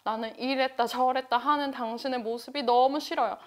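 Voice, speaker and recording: A woman voicing fickle storybook husbands who propose with flattery and later complain politely. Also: sits high, a little fast, natural voice. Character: smitten husbands, fickle grown men.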